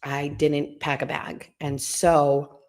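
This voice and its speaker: A middle-aged woman hosting a live stream from home, chatting in a hushed, rambling way so she won't wake anyone. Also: completely flat delivery, takes it slowly. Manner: talking low and hushed to keep from waking someone; chatty and rambling, full of asides and restarts.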